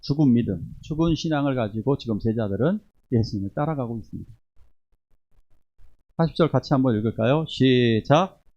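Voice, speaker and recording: Emphatic Korean pastor preaching a sermon. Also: male voice, mid-range voice, expressive, fairly quick, husky, lo-fi sound. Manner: emphatic, swings between loud exhortation and quiet asides. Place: church sanctuary.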